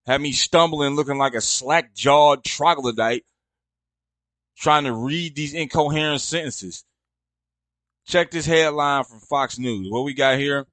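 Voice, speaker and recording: A man's voice: fairly high pitch, unhurried, a bit bright, no echo. A man hosting a podcast, delivering a casual, profane, mocking rant full of exasperation. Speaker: podcast host. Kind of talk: casual ranting commentary.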